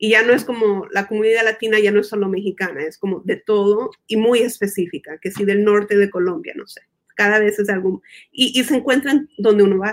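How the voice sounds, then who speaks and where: A woman speaks fairly quickly at a fairly high pitch, with ordinary pitch variation and big swings in loudness. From Miami, US (Puerto Rican and Cuban family). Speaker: advertising strategist. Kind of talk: interview. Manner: halting, many repeated words.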